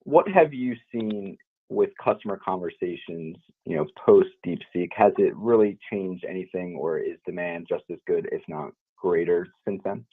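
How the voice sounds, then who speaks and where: Male analyst, low husky voice, conversational questioning on an investor call, lo-fi telephone line. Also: moderate pace. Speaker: financial analyst. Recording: rough phone-line audio.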